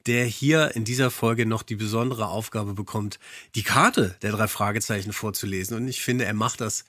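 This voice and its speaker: A man's voice: on the low side, steady tone, moderate pace, sharp tone, no echo, studio quality. A man co-hosting a podcast, casually and appreciatively chatting about an audio drama. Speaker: podcast co-host.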